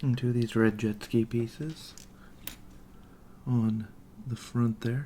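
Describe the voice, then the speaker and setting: Whispering and soft-spoken, a man talks in a relaxed tone at a very slow pace with long, frequent pauses. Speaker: ASMR creator. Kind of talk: ASMR LEGO build narration. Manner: soft-spoken, whispered, relaxed.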